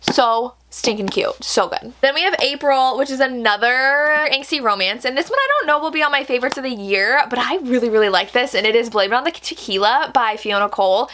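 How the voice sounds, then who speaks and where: A woman's voice: fairly high pitch, animated, a little fast, few pauses, pushed and bright, a little hiss or hum. A woman talking casually as a booktuber, gushing enthusiastically about her picks and peppering her speech with "like" and emphatic repeats. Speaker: book reviewer, booktuber. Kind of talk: casual booktuber vlog, chatty recommendations.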